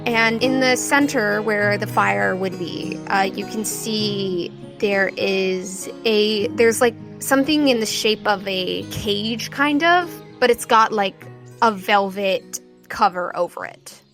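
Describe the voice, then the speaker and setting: A woman improvising scene narration as game master, in a halting, conversational way full of "like". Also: mid-range voice, over music.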